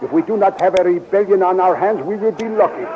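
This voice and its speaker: An actor playing an older scientist mentor with formal, emphatic delivery in a 1930s radio serial. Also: male voice, high-pitched, quick pace, lightly acted. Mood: worried. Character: older male scientist, grave mentor to the hero. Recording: dull, crackly 1930s radio recording.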